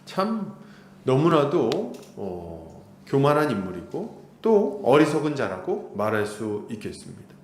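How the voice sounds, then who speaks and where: Lively, questioning male pastor in an echoey church. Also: mid-range voice, measured pace, a little hiss or hum. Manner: asks the congregation rhetorical questions and acts out quarrels in quoted voices. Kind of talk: expository sermon. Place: church sanctuary.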